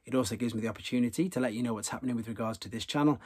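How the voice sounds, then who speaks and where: A man's voice: medium pitch, racing, darkish tone, slightly rough. A man in his thirties hosting a casual toy news vlog, chatty and enthusiastic, often repeating himself, recorded close up in a room full of toys. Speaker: toy channel host. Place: room with toy shelves behind.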